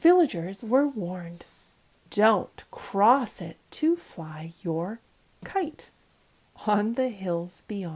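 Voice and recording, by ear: Someone is reading aloud in a natural voice. The text comes through as read.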